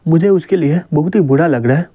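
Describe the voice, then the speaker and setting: A man voicing a cheeky teenage schoolboy with x-ray vision who is quick to talk back, in a manga recap. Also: on the high side, mellow, slightly rough, no echo.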